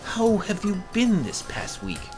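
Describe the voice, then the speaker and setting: A man acts out an elderly bachelor in a horror tale, skeptical and reasonable. He talks slowly and formally, with firm emphasis. His pitch moves widely, and music plays clearly behind him. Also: wildly swooping pitch, a little mellow, exaggerated voice. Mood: polite, contented.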